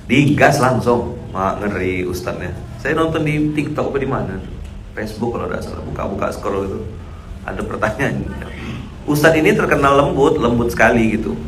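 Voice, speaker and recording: Guy giving a chatty sermon, gets loud and high suddenly, echoey room. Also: background noise. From Indonesia. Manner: animated, jumps to loud high outbursts when acting out others; clears throat often. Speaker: preacher. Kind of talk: casual sermon to a congregation. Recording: roomy hall with faint ambience.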